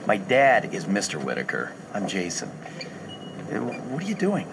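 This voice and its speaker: A man's voice: lowish voice, huge pitch swings, moderate pace, vocal fry, noisy background, full character voice. An actor playing a good-humored young man who answers with wry, easygoing remarks.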